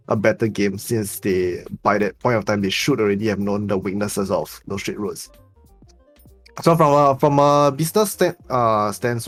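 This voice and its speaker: A man's voice: mid-range voice, dry recording. A man co-hosting a games chat, earnest and searching for words, often tagging "right?". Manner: earnest, repeats words, tags lines with "right?". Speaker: co-host. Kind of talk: casual group chat about games.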